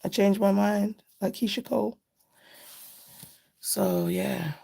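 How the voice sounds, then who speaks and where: A slightly hoarse woman chatting casually and affectionately on a live nail art stream, often thinking aloud as she works. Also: mid-range voice, fairly even intonation, slow pace, dark tone. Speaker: nail art livestream host. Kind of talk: casual live chat while doing nails.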